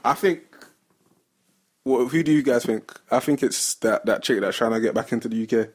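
A man with a husky, rough-edged voice and a London roadman accent. As a podcast co-host he banters casually in slang, often circling back to repeat phrases, at a middling pitch. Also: normal speed. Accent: London, urban street.

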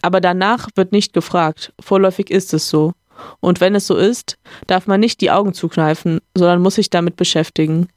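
A reader doing a musing old-school gentleman. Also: medium pitch, fairly even intonation, a little fast, no room sound, clean studio sound, natural voice. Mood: earnest lecturing. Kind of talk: reading a novel aloud.

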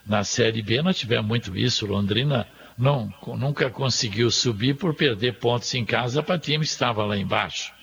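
A Brazilian man talks sport on the radio in a conversational way. His mid-pitched voice has a lot of creak, and the sound is dull with faint noise. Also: moderate pace, few pauses, fairly bright tone. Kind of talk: conversational opinion chat.

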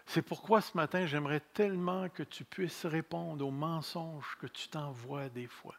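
A man in his sixties preaches with a Québécois accent, his voice sitting a little high for a man. He takes his time, letting each phrase land slowly and repeating the key lines. Self-mocking humor runs through his sermon. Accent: Québécois French. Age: 60s. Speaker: pastor.

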